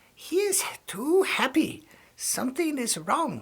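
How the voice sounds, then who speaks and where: A man puts on a character voice with a Swedish accent and an extremely high pitch. He speaks at a fairly slow pace. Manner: knowing, teasing.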